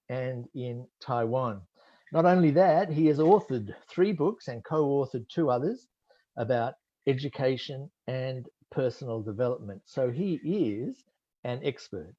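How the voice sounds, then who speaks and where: A man hosts an online webinar and introduces the guest at an unhurried pace, with frequent pauses. His voice is mellow and warm. The call audio is dull and lo-fi. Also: mid-range voice. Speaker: webinar host. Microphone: computer mic on video call.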